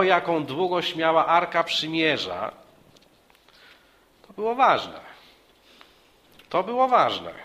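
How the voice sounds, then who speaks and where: A man preaching a sermon, earnest and repeating himself with small restarts, rising for emphasis and dropping low and soft. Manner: earnest, repeats phrases with restarts, rises for emphasis and drops softly.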